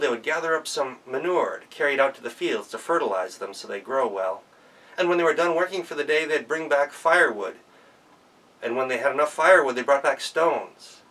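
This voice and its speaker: A man telling a folktale as a professional storyteller, expressive and deliberate in his delivery. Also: medium pitch, distant mic, low-quality recording. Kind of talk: oral folktale storytelling, performed live.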